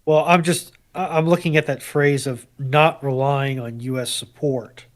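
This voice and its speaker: Slow-talking man thinking aloud. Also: a little high, steady tone. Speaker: panel guest. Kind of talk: casual discussion.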